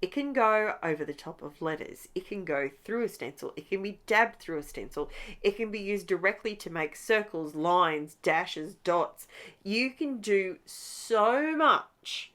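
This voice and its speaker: A woman's voice: mid-range voice, animated, measured pace, a bit bright. Chatty Australian woman, bit stuffed up. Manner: chatty, enthusiastic, talks while crafting. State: congested nose, recovering voice. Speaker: scrapbooking channel host. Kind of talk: casual craft tutorial chat.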